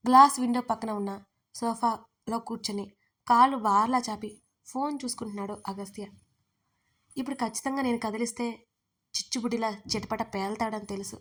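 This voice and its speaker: A woman's voice: fairly high pitch, fairly bright tone. Playful woman narrating a romance story. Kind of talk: scripted first-person narration of a romance audio story.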